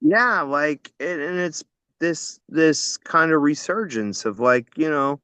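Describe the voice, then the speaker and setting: A man's voice: fairly high pitch, expressive, slow, sharp tone, clean tone, no echo. A man in his forties chatting loosely as a podcast guest, rambling and cursing casually. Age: 40s. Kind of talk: casual chat.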